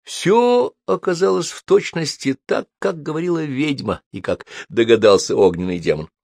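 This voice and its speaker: A man reading a fantasy novel aloud with expressive storytelling. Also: fairly high pitch, normal speed, gravelly, no echo, studio quality. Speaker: audiobook narrator. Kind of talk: scripted narration.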